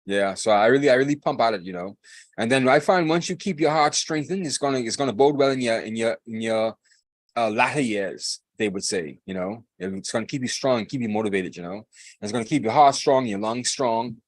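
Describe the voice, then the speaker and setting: A man's voice: mid-range voice, brisk, no room sound. A man, hosting a podcast in a hyped, rambling casual chat, repeating himself and laughing often. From Bahamas. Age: 40s. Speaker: podcast host.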